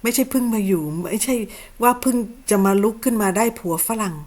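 A woman's voice: mid-range voice, brisk, a little mellow. Sarcastic Thai woman rebutting clips. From Thailand. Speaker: channel host. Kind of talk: combative commentary on clips.

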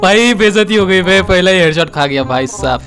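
A young man giving excited gameplay commentary, laughing, shouting and teasing while he plays. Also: high voice, a little fast. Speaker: gaming streamer. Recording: loud game music behind.

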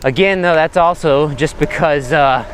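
A man with a slightly high voice talks at a moderate pace while pedalling a bicycle along suburban roads, hosting his cycling vlog in a rambling, hesitant, unscripted way. A body-worn action camera picks him up outdoors, with faint road and traffic noise behind him.

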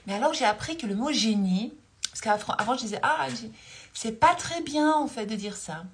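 A woman's voice: a little high, animated, moderate pace, a bit bright, slight background noise. A woman in her forties talking casually as a spiritual coach on a livestream, recorded on a phone held close in a dim room. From Belgium. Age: 40s. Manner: chatty, laughs often, reads viewer comments aloud.

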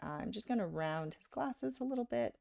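A woman giving a live drawing lesson, talking casually while she sketches and often checking in with "right?", a little hoarse from being sick. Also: mid-range voice, animated, brisk, a little mellow, no echo, studio quality. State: slightly hoarse from illness. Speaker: art instructor.

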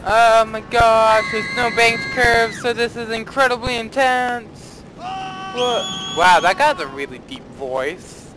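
A young man hosting a let's play talks slowly in a very high-pitched voice, casually commenting on his own gameplay in a rambling, playfully dramatic way. He uses a desktop mic, and there's faint background noise plus music in a low-quality recording.

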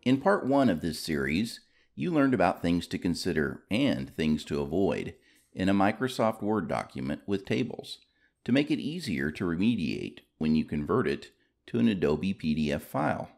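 A man narrates a scripted software tutorial in a low voice. His intonation moves up and down in a lively way, while his delivery stays measured and explanatory, each term carefully enunciated. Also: vocal fry.

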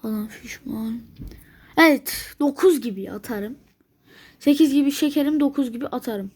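A woman's voice: high voice, normal speed, darkish tone. A woman commenting on a strategy game she is playing, grumbling in exasperation and thinking aloud to herself. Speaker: gameplay video maker.

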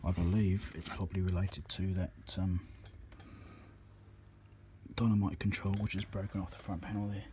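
Low-voiced New man, noisy workshop recording. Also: level tone, moderate pace, long pauses, warm tone. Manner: matter-of-fact, thinking aloud in short fragments. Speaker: electronics repairer presenting a repair video. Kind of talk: casual unscripted workbench commentary. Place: indoor electronics workbench.

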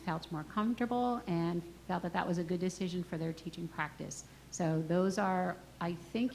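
Female district administrator, slightly low voice, explanatory, faint room noise. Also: vocal fry, a little mellow, rough recording. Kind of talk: explaining at a public meeting. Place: large meeting room.

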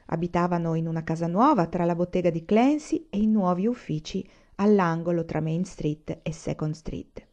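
A woman narrating a storybook in a calm, even reading voice. Her tone is low, dark and mellow. The audio is dull and lo-fi. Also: normal speed, hardly any pauses.

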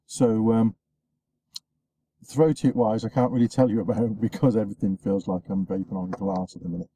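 Rambly guy in his 40s talking to cam in his car, sore throat, real dark mellow voice, dry sound. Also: fairly low pitch, steady tone, moderate pace, no echo, rough recording. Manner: rambling, chatty, lots of ums and uhs. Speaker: show host. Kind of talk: casual vlog chat. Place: inside a parked car. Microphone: camera facing him at close range.

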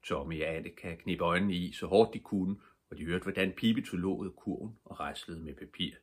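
Husky-voiced older man reading a bedtime story. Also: deep voice. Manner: calm, steady storytelling. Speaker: storybook reader.

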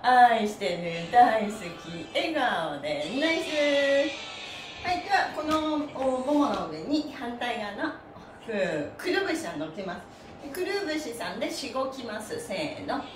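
A middle-aged woman leads a stretching session in a cheerful, chanting singsong. Her voice sits on the high side. It is picked up from a distance in a very roomy indoor space. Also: very animated, measured pace. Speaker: stretching instructor and host. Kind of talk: live exercise instruction with chanted counts. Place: small indoor studio with bare wall and floor mat. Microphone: camera a few metres away. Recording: roomy, distant mic, music behind.

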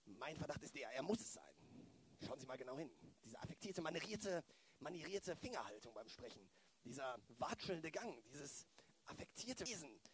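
Casting: male actor as fussy young male detective, halting, repetitive delivery, lively pitch swings, comic radio play. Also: a crowd in the background, rough recording. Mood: pompous suspicion. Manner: halting, mannered, repeats words. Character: affected, squeamish young male police detective. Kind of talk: improvised comic audio drama.

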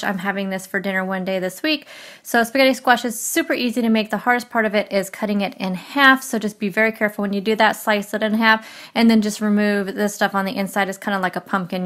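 A woman in her thirties talks easily through each cooking step, chatty and practical. Her voice sits at an everyday middle pitch, and she explains things plainly, one step after another. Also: fairly bright tone. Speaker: meal prep vlogger. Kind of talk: casual voice-over narration. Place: home kitchen.

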